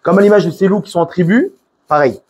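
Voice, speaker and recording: A man's voice: high-pitched, fast talker, darkish tone, husky. A man from France with a French accent, giving an informal sermon full of stories, restarts and Hebrew religious terms. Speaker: preacher.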